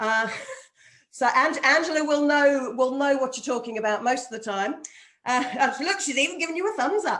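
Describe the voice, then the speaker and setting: Lively intonation at a moderate pace, with audible room echo. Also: woman, high pitch for a woman. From UK. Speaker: on-camera confidence coach and speaker. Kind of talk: webinar coaching. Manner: animated.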